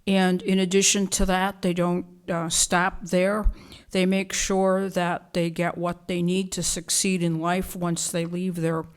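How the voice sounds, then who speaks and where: A woman with a somewhat low voice speaks at a village board meeting, presenting an award. She talks earnestly and plainly, now and then pausing on a filler or restarting a phrase. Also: flat delivery, clear, resonant tone. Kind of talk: public remarks at a meeting. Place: council chamber.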